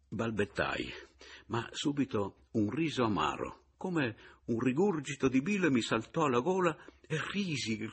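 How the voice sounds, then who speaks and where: A man reading a novel aloud in an expressive, dramatic first-person narration. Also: medium pitch, slightly rough. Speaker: audiobook reader. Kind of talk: literary audiobook narration.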